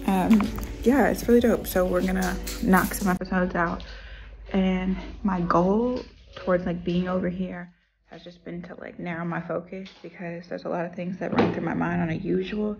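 Young woman, pregnant, chatty vlog talk, lowish voice with some fry, music behind. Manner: chatty, upbeat, lots of "like" and "um". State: heavily pregnant. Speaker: vlogger. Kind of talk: casual vlog chat.

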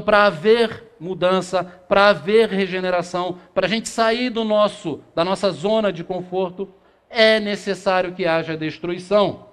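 High-voiced middle-aged man lecturing. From Brazil. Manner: rhetorical questions answered himself, reading passages aloud, gesturing. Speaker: spiritist lecturer. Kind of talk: lecture to a seated audience. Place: small meeting room with a projector screen. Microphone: far camera, no handheld mic.

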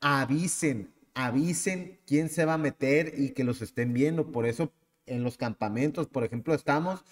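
A man in his thirties with a Mexican accent, hosting a podcast and telling a personal story in a lively, casual way. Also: medium pitch, normal speed, long reverb tail. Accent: Mexican Spanish. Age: 30s. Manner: animated, acts out the people in his story. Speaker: podcast host.

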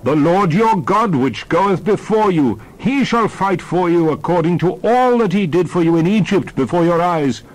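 A man's voice: high voice, animated, moderate pace, hardly any pauses, poor audio. A man playing an earnest prophet-leader in a dramatized scripture reading, emphatic and oratorical. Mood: exhorting, reproachful. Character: Moses, earnest male leader pleading and exhorting.

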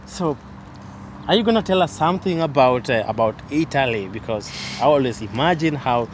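A man's voice: mid-range voice, expressive, normal speed, noisy background. A young man with a Kenyan accent hosting a casual vlog, repeating his phrases as he chats to camera. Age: young adult. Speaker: vlog host. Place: outdoors on a waterside walkway. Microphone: phone at arm's length.

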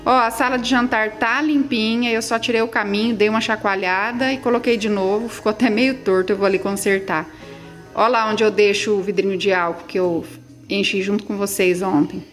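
A woman in her thirties from Brazil, filming a casual home vlog on a handheld phone and chatting warmly with her viewers, full of diminutives. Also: mid-range voice, steady tone, brisk, soft background music. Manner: chatty and affectionate, many diminutives, baby talk to her pets. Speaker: vlogger. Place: small house, indoors and on the porch.

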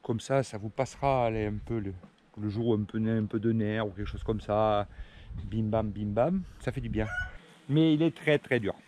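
A man's voice: fairly low pitch, moderate pace, mellow. A man in his forties, a tree surgeon vlogging to camera outdoors in a rural garden, chatty and joking with viewers and clients. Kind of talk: casual vlog talk to camera. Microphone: action camera held at arm's length. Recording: faint outdoor background noise.

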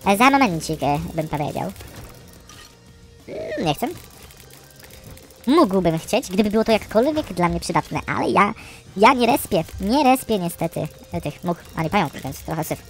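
A man giving casual, chatty gameplay commentary as a streamer, grumbling along and breaking into frustrated yells. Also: high voice, lively intonation, fairly quick, faint music behind. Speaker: gaming streamer.

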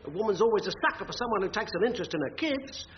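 A man's voice: high voice, lively intonation, rapid-fire. A man playing a cheery, blundering sidekick full of schemes in a radio sitcom, matey and blunt. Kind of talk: scripted radio sitcom acting. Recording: muffled, faintly hissy comedy recording.

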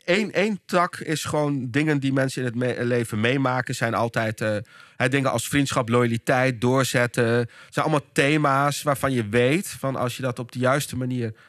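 A man with a Dutch accent, a podcast guest explaining his ideas with frequent restarts and searching pauses. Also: medium pitch, fairly bright tone, dry recording, studio quality. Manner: thoughtful, searching for words with many restarts. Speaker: podcast guest, behavioral scientist and speaker. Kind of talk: casual podcast conversation.

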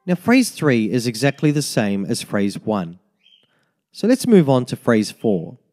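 A man narrating a tin whistle lesson as a voice-over, giving slow, methodical step-by-step fingering instructions. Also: mid-range voice, huge pitch swings, a little mellow, soft background music. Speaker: music teacher.

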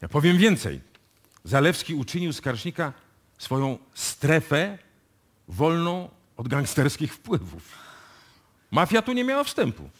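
An actor playing a confident police detective who deliberately lays out a case in a radio play. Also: male voice, a little high, sing-song. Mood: emphatic, assured. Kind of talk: live radio drama acting in Polish. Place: radio music studio, performed live before an audience.

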